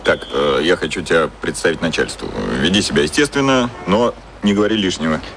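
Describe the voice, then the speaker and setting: A man's voice: deep voice, a little fast, fairly bright tone, slight background noise. A male actor in a radio drama playing an imposing businessman who talks in a curt, familiar, bossy way. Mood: instructing. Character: imposing, brusque, patronising businessman, a man.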